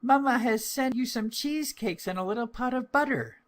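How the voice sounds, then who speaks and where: A man putting on a high, innocent little girl. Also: moderate pace. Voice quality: high, sing-song childlike voice. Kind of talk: storybook reading.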